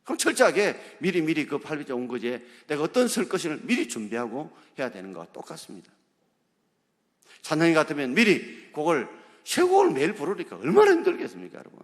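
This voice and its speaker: A man's voice: on the high side, huge pitch swings, fairly quick. A male pastor preaching a sermon, driving his points home with rhetorical questions to the congregation. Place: church sanctuary. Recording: long hall reverb.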